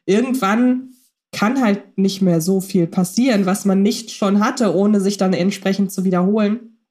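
A woman's voice: medium pitch, measured pace, darkish tone. A woman co-hosting a podcast, talking thoughtfully and analytically with some fillers. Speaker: podcast co-host. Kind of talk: casual chat.

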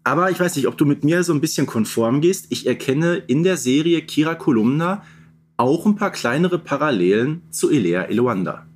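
A man's voice: a little high, animated, moderate pace, a little hiss or hum. A man co-hosting a casual podcast chat, explaining things and seeking agreement with little tag questions. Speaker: podcast co-host. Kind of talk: casual chat reviewing children's audio dramas.

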